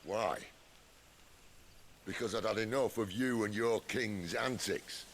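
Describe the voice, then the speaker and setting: A man playing a gruff, wry middle-aged outlaw leader with a gravelly voice in a video game cutscene. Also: on the low side, slow, a little hiss or hum. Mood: defiant, wry.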